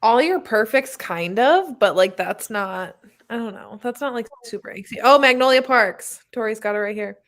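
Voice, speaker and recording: A woman's voice: on the high side, animated, normal speed, a bit bright. A woman co-hosting a book live show in an informal, casual chatting style with a self-deprecating manner. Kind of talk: casual chat.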